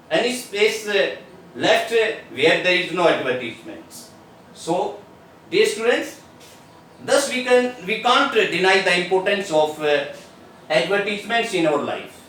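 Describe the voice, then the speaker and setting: Male teacher, high-pitched and earnest, heard from a distance in a very echoey room with faint noise. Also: animated, a little slow, fairly bright tone. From India. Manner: earnest, repetitive, addresses students often, hesitant fillers. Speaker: English teacher. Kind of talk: video lesson.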